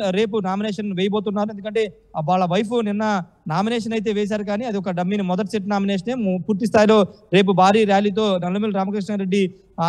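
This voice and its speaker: Fast, high-pitched male reporter in reverberant sound. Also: a little mellow. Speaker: news reporter. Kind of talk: live unscripted political news report. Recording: long hall-like reverb.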